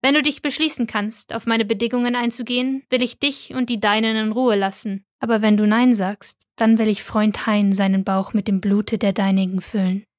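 Storybook creature: miserable male giant, reproachful and pleading, read by a woman, slightly high, dry close sound. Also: steady tone, moderate pace, few pauses, no room sound, close to an everyday voice. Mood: bitter.

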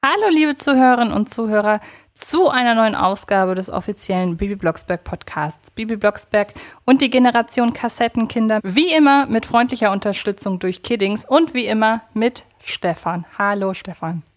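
A woman co-hosts a casual fan podcast in a fairly high voice. She is chatty and reflective, working out her opinions as she talks. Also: expressive, normal speed. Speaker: podcast co-host.

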